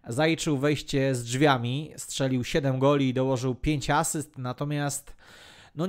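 A man hosting a podcast, telling football history in a semi-scripted narrating style. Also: a little high. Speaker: podcast host.

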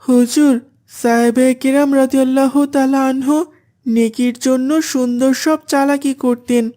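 A woman's voice: high voice, level tone, normal speed, mellow, close to an everyday voice. A woman voicing a dutiful, devout young boy in a cartoon, polite and earnest.

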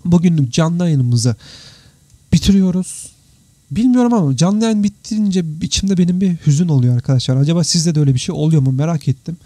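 A man hosts a casual live Q&A in a very mellow, dark voice that sits a little high for a man. He sounds tired and slightly worn, and talks to viewers as friends in a dry, close recording. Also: expressive, brisk, dry recording. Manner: chatty, informal, addresses viewers as friends. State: tired, slightly worn voice after three hours of talking. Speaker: live stream host, 3D visualization teacher. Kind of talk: casual live Q&A, reading out and answering viewer comments. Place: indoors, computer live stream with screen share.

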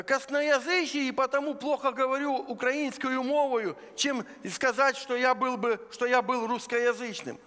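A man from eastern Ukraine preaching a sermon in a church, earnest and deliberate, laying out his points one by one. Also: very high-pitched, sharp tone. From Luhansk region, Ukraine. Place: church sanctuary. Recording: long church hall reverb.

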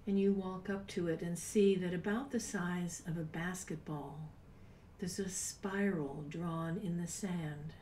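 A woman in her sixties leading a guided meditation in a soft, breathy, unhurried voice with long pauses, at times near a whisper. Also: fairly low pitch, steady tone. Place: small home room, indoors. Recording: roomy, distant mic with background noise.

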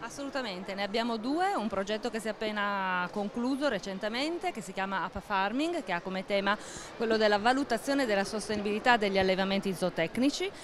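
A middle-aged woman interviewed at a fair stand, explaining a project in a measured way with frequent pauses and fillers, speaking into a handheld mic. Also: medium pitch, noisy background. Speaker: interviewee, agricultural association staff. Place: indoor exhibition stand at a book fair.

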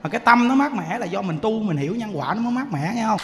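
A male Buddhist monk, giving a sermon through lively, laughing storytelling and acting out the people in it. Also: high-pitched, quick pace, in a large hall.

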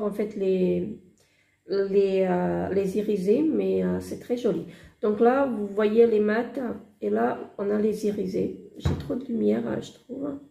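A woman with a hoarse voice, chatting hesitantly through a makeup haul with many fillers and gushing exclamations. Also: mid-range voice, dark tone, echoey room. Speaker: beauty vlogger. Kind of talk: casual makeup haul chat. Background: construction noise.

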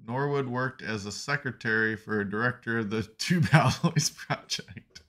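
A man's voice: medium pitch, moderate pace, fairly bright tone. A man co-hosting a casual science podcast, reading articles aloud and dropping playful asides. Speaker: podcast co-host.

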